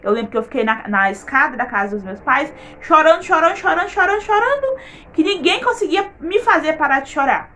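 A woman's voice: high-pitched, a little fast, hardly any pauses, pushed and bright, a little hiss or hum. A woman giving an earnest faith testimony in her vlog, repeating words for emphasis.

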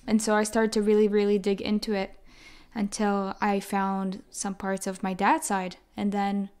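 A young woman in her twenties with an American accent, talking as a guest in a relaxed interview. Her voice sits at an ordinary middle pitch. She speaks earnestly, often doubling her words for emphasis. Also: normal speed, clean tone. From Israel. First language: Hebrew. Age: 20s. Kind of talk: casual interview conversation.

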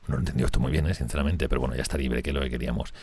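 A man's voice: very deep voice, steady tone, racing, darkish tone, husky. A man with a Spain Spanish accent giving chatty let's-play commentary, thinking aloud and talking to his game characters. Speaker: gaming channel host.

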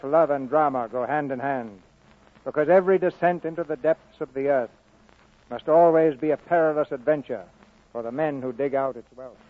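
A man hosting a 1940s radio theatre broadcast, reading scripted announcements. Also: a little high. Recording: muffled narrowband vintage radio broadcast.

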